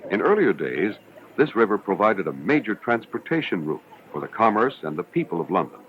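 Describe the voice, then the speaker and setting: A man with a low voice and lively intonation delivers formal, measured narration for a 1970s educational film. The soundtrack is dull, with a slight hiss. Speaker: documentary narrator.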